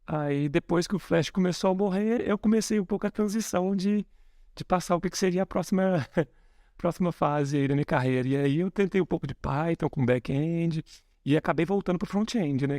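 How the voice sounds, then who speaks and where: A man around forty from Belo Horizonte, speaking as a guest in a casual podcast conversation, relaxed and thoughtful, often correcting himself mid-sentence. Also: fairly high pitch, moderate pace, no echo, clean studio sound. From Brazil, Belo Horizonte. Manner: relaxed, thoughtful, frequent self-corrections, chuckles softly. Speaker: guest, software engineer.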